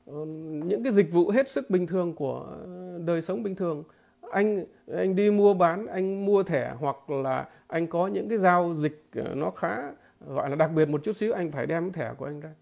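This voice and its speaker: A man giving a political commentary monologue to his viewers, halting and repeating filler words, emphatic and blunt. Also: sits high, gravelly, darkish tone. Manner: emphatic, with blunt crude imagery.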